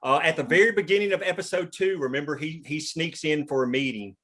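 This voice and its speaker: A man's voice: a little high, fast talker, bright, forceful tone. A man chatting casually in an explanatory way, thinking aloud as he leads a group discussion of a script. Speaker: writer leading a table-read discussion. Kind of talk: casual chat.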